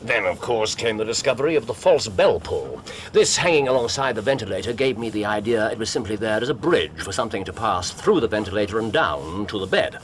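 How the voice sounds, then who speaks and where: A man playing a cool, brilliant middle-aged detective from a radio play, laying out his deductions in a low voice. His delivery is measured and lecturing, and it rises and falls with plenty of life. A faint hiss sits under the voice. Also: expressive, lightly acted. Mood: explaining. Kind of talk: 1990s radio drama acting.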